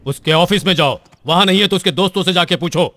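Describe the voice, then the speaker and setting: An actor dubbing a domineering uncle who barks stern orders. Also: male voice, sits high, fast, bright, forceful tone, in a large hall. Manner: commanding, stern.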